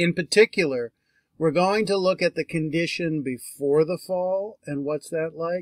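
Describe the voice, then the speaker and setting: With the background kept quiet, this man's voice comes across dry, without echo, and his pitch moves in an ordinary way. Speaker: bible teacher. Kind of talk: lecture. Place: home room. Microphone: webcam.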